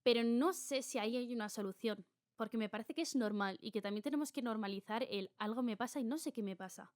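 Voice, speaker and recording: A young woman hosts her own podcast, talking openly and confessionally. Her voice sits fairly high, and she slips into her own inner voice as she speaks. The sound is close and dry, with no room around it. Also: fast talker, darkish tone, dry recording. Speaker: podcast host. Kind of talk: casual solo podcast monologue.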